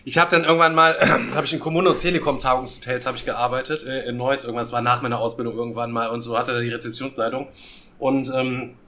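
Aufgedrehter Mann mit heller Stimme. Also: male voice, mid-range voice, fast. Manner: crude, excitable storytelling, slips into loud impressions. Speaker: podcast co-host. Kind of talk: casual storytelling chat.

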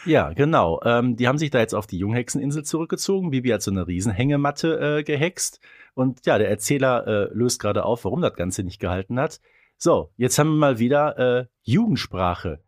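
Male podcast co-host, mid-pitched with lively swings, casual, playful, opinionated commentary. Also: a little fast. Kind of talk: casual review chat.

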